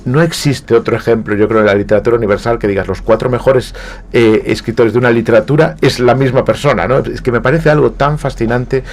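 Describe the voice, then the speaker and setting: Talking a little fast at medium pitch, this man is a guest writer from Galicia, Spain, interviewed in a radio studio. His Spanish accent carries reflective speech full of hesitations and repeated words.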